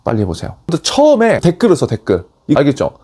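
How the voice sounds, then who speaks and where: A man's voice: on the high side, wildly swooping pitch, quick pace, warm tone, slightly rough. A man giving an online lecture as a job application coach, emphatic and urging, often switching into blunt casual speech.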